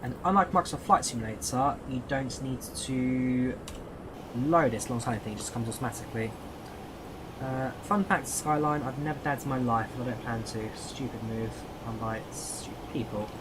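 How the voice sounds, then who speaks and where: A man's voice: medium pitch, moderate pace, noisy background. A man with an English accent giving casual live-stream commentary on a flight simulator, thinking aloud and answering chat viewers.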